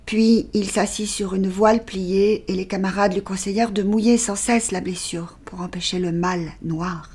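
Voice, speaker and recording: A woman reads a dark story aloud in a husky, breathy voice of middling pitch. Her delivery is measured and dramatic, and at grim moments she sinks almost to a whisper. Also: steady tone. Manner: measured, dropping to a near-whisper in grim passages. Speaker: actress reading a short story. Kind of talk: dramatic literary reading.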